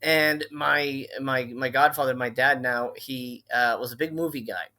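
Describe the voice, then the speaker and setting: A middle-aged man from Miami chats as a podcast guest, his voice bright and forward. He talks in loose runs, full of "uh"s and restarts, sitting at a middle pitch. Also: steady tone, measured pace. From Miami, Florida. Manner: chatty, many fillers and restarts. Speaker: film director and writer, podcast guest. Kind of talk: casual conversational interview.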